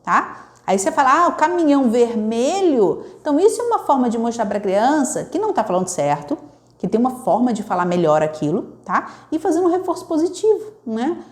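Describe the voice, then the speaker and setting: A woman's voice: a little high, very animated, brisk. A woman speech therapist from Brazil explaining child speech development to parents, often checking in with tag questions and acting out little parent voices. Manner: acts out playful parent voices in quoted examples. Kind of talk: educational talk to parents.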